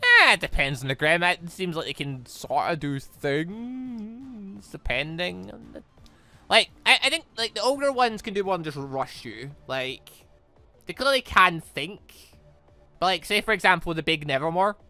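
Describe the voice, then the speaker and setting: A man commentates casually over a video game in a bright, forceful voice. His pitch jumps around in an animated way as he reacts out loud. The sound is close and dry, with game music underneath. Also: measured pace, no echo. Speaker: video game let's player. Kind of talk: casual let's play commentary, reading visual novel dialogue aloud.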